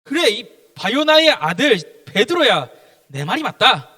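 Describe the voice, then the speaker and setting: A young man voicing Jesus as a calm adult man questioning and answering his disciples in a children's sermon. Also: very high voice, a little slow, full character voice. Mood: earnest.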